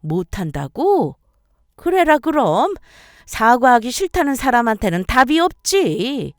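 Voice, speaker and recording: A woman's voice: fairly high pitch, big pitch swings, a little slow, no room sound, studio quality, soft background music, voice pushed up. A woman voicing an older mother-in-law in a story radio drama, scolding with indignant exclamations. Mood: stern. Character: older mother-in-law, stern but protective.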